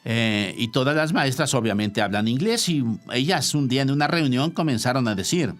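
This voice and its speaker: A man preaching a sermon, telling a story in an expressive, emphatic way. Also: medium pitch, normal speed, soft background music.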